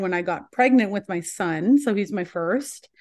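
Her voice is an ordinary speaking voice, medium in pitch with ordinary pitch variation. The woman talks at a fairly slow pace. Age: 30s. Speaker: energy healer and performance coach. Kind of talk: casual chat.

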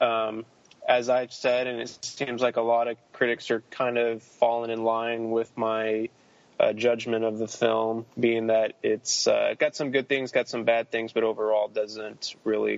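A man speaks at a medium pitch and a fairly slow pace. His intonation is monotone and flat. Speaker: podcast host. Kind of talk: casual podcast chat.

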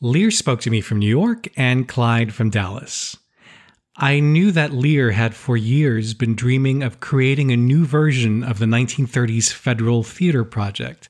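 A man with a plain, everyday voice talks at a medium pitch and a fairly slow pace, with ordinary pitch variation. The recording is very clean, with a silent background. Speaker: podcast host and producer. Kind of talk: interview.

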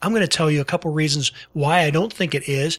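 In a Western Pennsylvania accent, a man with a fairly high voice talks at a fairly quick clip with fairly even intonation, the sound dry and close with no echo. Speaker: podcast host and money manager. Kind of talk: solo podcast commentary on investing.

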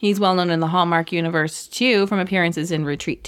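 A woman speaks in an ordinary speaking voice at a medium pitch. Her pitch varies in an ordinary way. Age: 40s. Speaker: podcast host. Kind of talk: casual chat.

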